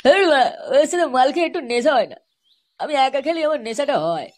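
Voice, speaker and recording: A man voicing a foul-mouthed, hot-tempered young cartoon husband with an aggressive manner and pitched-up voice. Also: very animated, fast talker. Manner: aggressive, swearing.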